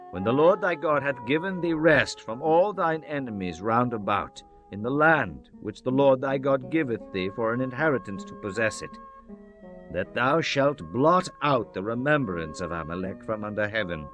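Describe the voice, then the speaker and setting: A man narrating scripture as a dramatized audiobook, in a solemn, measured, declamatory manner. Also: medium pitch, animated, fairly bright tone. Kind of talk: dramatized scripture reading, archaic English. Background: background music.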